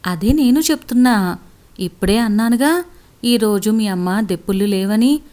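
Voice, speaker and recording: A woman's voice: medium pitch, animated, moderate pace, dark tone, lightly acted. A woman doing a joking middle-aged father. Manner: joking, good-humored.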